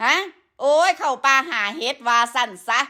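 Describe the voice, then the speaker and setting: A woman's voice: sits high, normal speed, bright, forceful tone. Profane scolding Isan Thai woman streamer. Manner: crude, scolding, heavy with profanity; peppers talk with fillers. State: sore throat from a cold. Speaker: livestreamer addressing followers. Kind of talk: ranting live stream monologue.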